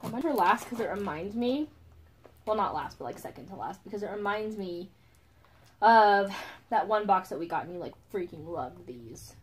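A young woman from the United States chatting casually while unboxing snacks, giggly and animated. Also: medium pitch, moderate pace. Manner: giggly, animated, often laughing. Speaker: vlogger reviewing snacks. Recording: faint background noise.

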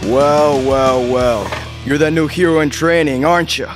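A man's voice: fairly high pitch, measured pace, music in the background, lightly acted. A man voicing a vain, pompous cartoon villain dog, a genius inventor bent on revenge, theatrical and menacing.

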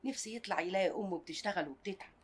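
In Egyptian TV drama acting, an actress with an Egyptian Arabic accent and a medium-pitched, lightly acted voice plays a working mother. Proud and devoted, the character works hard to raise her son, speaking in a homely, emphatic way and quick to plead.

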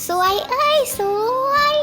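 A woman's voice: slow, bright, forceful tone, soft background music. A woman voicing a boastful old village grandmother, chatty and sing-song, with a Northeastern Thai Isan accent. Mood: cheerful. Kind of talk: animated cartoon acting.

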